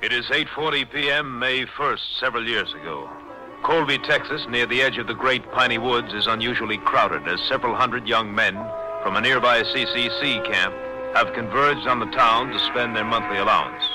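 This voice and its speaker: An American man narrates in vintage radio drama style. His pitch is average for a man, and music plays clearly behind the scripted delivery. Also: normal speed, rough recording. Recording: old radio recording with music.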